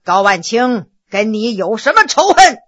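Brief: stern male magistrate, woman voicing, scolding and official, husky tone. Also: fairly high pitch, sing-song, a little slow, a bit bright, full character voice.

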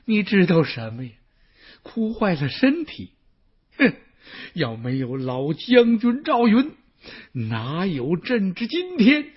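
A storyteller voicing a pampered young emperor who is weeping and indignant, speaking in an emphatic, drawn-out wail with a husky voice. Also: male voice, high voice, huge pitch swings, highs cut off, heavily acted. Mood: indignant grief. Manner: emphatic, drawn-out wailing delivery.

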